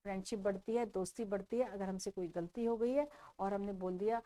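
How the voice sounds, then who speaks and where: A woman teaching a children's textbook lesson, repeating each question and answer slowly for young pupils. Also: mid-range voice, fairly even intonation, dark tone.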